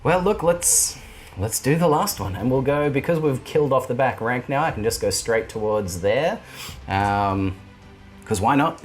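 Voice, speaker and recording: A man, hosting and playing a tabletop wargame, excitable and quick to laugh. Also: medium pitch, slight background noise. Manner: excitable, exclaims and laughs often. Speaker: wargame player and channel host. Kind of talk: casual tabletop game commentary.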